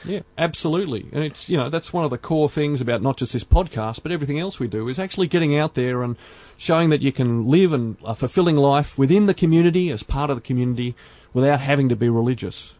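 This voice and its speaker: A man hosts a podcast in an earnest, measured way, dotting his talk with "you know." His voice sits at a middling pitch. The recording is close and dry. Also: darkish tone, dry recording. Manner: earnest, speaks in measured phrases with many fillers. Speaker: podcast host. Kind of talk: casual podcast discussion.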